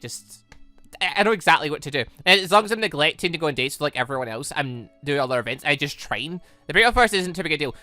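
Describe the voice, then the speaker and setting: A man's voice: sits high, bright, forceful tone, no echo. A man giving casual, rambling let's-play commentary as a gaming video host, often correcting himself mid-thought. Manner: rambling, self-correcting, informal.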